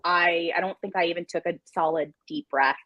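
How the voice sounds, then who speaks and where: A woman talks casually in a live book discussion as one of the hosts. Her voice is a little low and husky, and it sounds close and dry, with very little room in it. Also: steady tone, brisk, no room sound, dull audio. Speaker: book club live show host.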